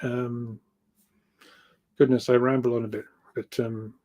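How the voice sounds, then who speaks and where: Halting, rambling man giving spiritual talk. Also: mid-range voice, flat delivery, dark tone, lo-fi sound. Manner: halting, repeats words, trails off. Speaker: guest speaker, researcher.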